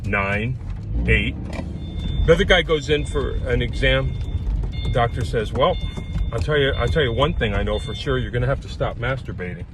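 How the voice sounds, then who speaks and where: A man comedian telling old doctor jokes in a casual, halting way, with many restarts. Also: medium pitch, noisy background. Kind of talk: joke telling. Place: car.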